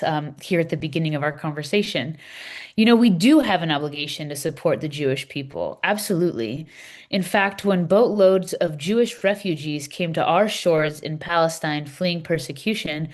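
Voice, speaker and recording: A woman plays an earnest Palestinian Christian woman leading a readers theater discussion. The voice sits a little low for a woman. The delivery is measured, welcoming and explanatory. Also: animated, lightly acted.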